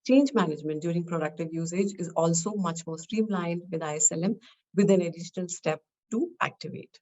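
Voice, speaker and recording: A woman with a fairly low voice delivers a scripted technical presentation. She explains step by step in short, measured phrases, as a presenter walking through a product. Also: dark tone.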